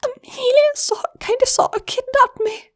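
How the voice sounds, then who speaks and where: Timid crybaby goblin filly, breathless and very high-pitched. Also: female voice, fairly even intonation, normal speed. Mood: sniffly. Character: very young tearful female goblin filly.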